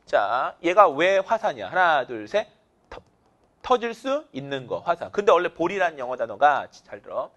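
A male English teacher giving an energetic vocabulary lecture, counting students in and drilling them with call-and-response cues. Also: a little high, normal speed, lo-fi sound.

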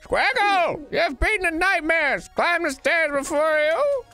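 A man's voice: extremely high pitch, expressive, unhurried, bright, forceful tone, soft background music, exaggerated voice. A man voicing a wise old male owl guardian from a game, with a grand, proclaiming delivery.

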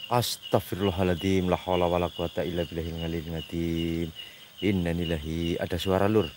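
A man talks in a low voice while walking outdoors at night, nervously muttering prayers and calling out to his friends. Crickets and insects buzz clearly behind him. He sounds jumpy, like a casual vlogger hunting ghosts. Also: level tone, brisk, noisy background. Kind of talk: casual night exploration vlog. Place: outdoors at night in rough terrain.

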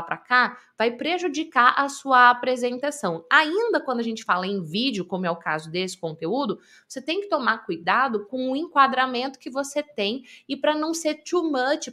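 A woman with a Brazilian Portuguese accent, coaching public speaking to camera in an emphatic, deliberate way that repeats key phrases. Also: on the high side, pushed and bright. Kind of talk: presenter-style teaching to camera. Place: indoors, filmed talking to camera.

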